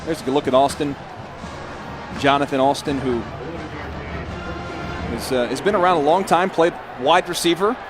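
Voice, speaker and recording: A man's voice: on the high side, moderate pace, long pauses, music in the background. A man giving conversational color analysis during a live American football broadcast. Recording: broadcast booth, stadium noise behind.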